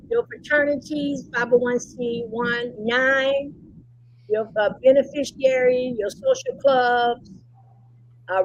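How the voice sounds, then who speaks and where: A woman's voice: high voice, a little mellow, lo-fi sound. A woman presenting an informal webinar from an online call, repeating her points and checking in often as she teaches. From Cleveland, Ohio. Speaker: presenter teaching about nonprofits. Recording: faint background noise on webinar call.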